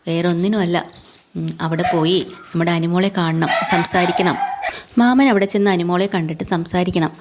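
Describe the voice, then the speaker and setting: A woman's voice: lowish voice, fairly even intonation, moderate pace, background noise, natural voice. A woman voicing an insistent young woman. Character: determined young woman, urging her uncle.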